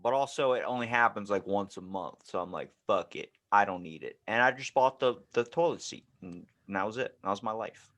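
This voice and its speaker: A man's voice: lowish voice, brisk, hardly any pauses, a bit bright. A man hosting a casual comedy podcast, telling rambling, profane anecdotes in a loose, crude way. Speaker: podcast host.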